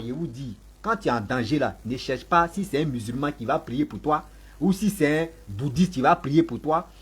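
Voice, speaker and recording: A man's voice: a little high, slightly rough. A man hosting a call-in talk show, speaking emphatically in a preachy tone and breaking in on callers. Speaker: host.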